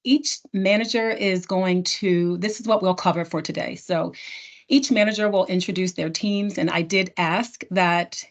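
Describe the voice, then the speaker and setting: A woman's voice: fairly low pitch, fairly even intonation, measured pace. A woman training and hosting a virtual town hall, chatting casually with many fillers and restarts. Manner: chatty, filler-heavy, self-correcting. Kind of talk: casual presentation to partners. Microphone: video call. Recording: dull lo-fi video call audio.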